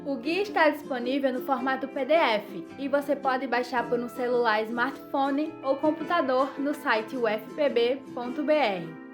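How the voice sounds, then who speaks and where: Woman presenter, Brazilian, high voice, scripted podcast read over music. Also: normal speed, few pauses. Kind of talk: scripted narration. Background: background music.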